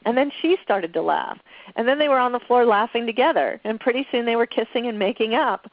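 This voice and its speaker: A woman's voice: on the high side, expressive, fairly quick, no room sound, narrow, tinny audio. Confident woman telling relationship stories. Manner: anecdotal, confident, conversational. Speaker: relationship author guest. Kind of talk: storytelling interview answers.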